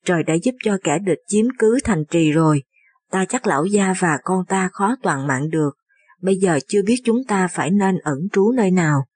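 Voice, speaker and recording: A woman's voice: fairly low pitch, animated, normal speed, darkish tone, breathy edge, dry recording. A grieving noble lady general, read by a woman narrator. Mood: sorrowful. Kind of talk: scripted narration of a historical novel.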